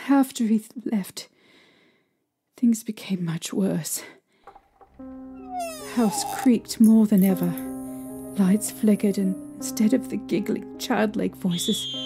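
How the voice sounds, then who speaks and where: A young woman playing a distraught, haunted mother recounting her ordeal emotionally and haltingly in an audio drama. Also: mid-range voice, darkish tone. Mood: hushed, distressed.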